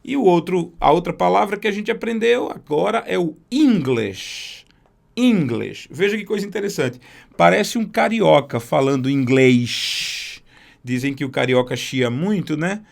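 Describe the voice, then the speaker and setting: A man teaching a beginner English class, patiently explaining grammar and slowly modelling words. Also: on the high side, lively intonation, creaky.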